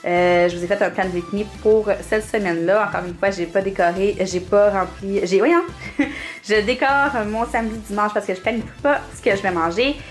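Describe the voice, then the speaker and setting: A woman's voice: medium pitch, fairly quick, faint music behind. A young woman with a Québécois French accent, chatting casually as she shows off her planner, with lots of fillers and little laughs. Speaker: planner vlogger. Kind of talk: casual show-and-tell.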